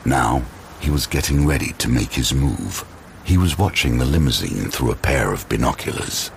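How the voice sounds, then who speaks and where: A man narrating an action thriller audio drama in a scripted, dramatic style with measured pauses. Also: rumbling low, animated, vocal fry, slight background noise. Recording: loud music bed. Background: loud dramatic music.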